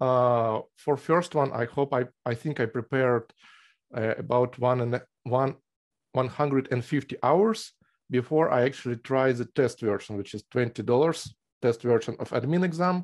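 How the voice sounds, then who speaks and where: A man speaks with a Russian accent against a quiet background. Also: medium pitch for a man, ordinary pitch variation, moderate pace. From southern Russia, Stavropol. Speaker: CRM consultant. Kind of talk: interview. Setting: remote call. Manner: halting, many fillers.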